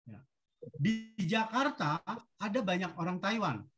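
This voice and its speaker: A woman teaching a language, reading short model sentences in a deliberate, instructional manner for repetition. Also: medium pitch, very animated, a bit bright, soft background music.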